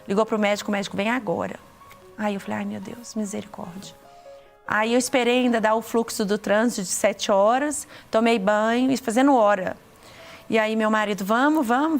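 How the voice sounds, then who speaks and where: Brazilian woman telling her testimony, kinda high and gravelly, stops and restarts a lot, faint music under it. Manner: earnest, halting, with many restarts. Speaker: guest giving a testimony. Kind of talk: emotional personal testimony.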